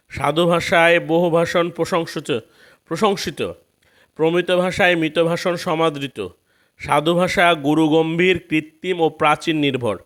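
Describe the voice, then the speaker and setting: A man's voice: on the high side, a bit bright. Man reading a grammar lesson. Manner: measured, reads word lists one by one. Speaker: grammar teacher. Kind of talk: scripted lesson narration.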